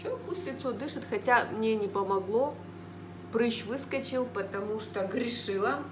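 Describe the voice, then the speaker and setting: A woman's voice: on the high side, unhurried, noisy background. A middle-aged woman vlogger chatting casually and ramblingly to her viewers about everyday things while eating at home. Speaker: lifestyle vlogger. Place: indoors at home in an echoey room. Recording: roomy, echoing indoor sound.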